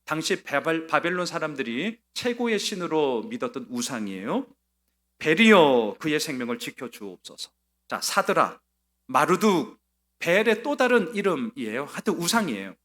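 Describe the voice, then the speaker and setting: A male pastor delivering a Sunday sermon with lively, sweeping intonation. His voice is bright and forceful, and he presses his points with emphatic rhetorical questions. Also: a little high, moderate pace.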